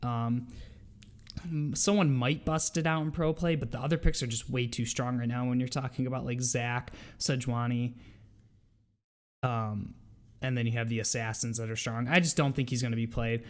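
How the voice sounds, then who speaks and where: Male gaming channel host, stuffed up with a cold, medium-pitched, informal delivery that thinks aloud through casual update commentary. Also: fairly even intonation, moderate pace. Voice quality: congested, stuffy. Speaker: video game channel host. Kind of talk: casual patch notes commentary.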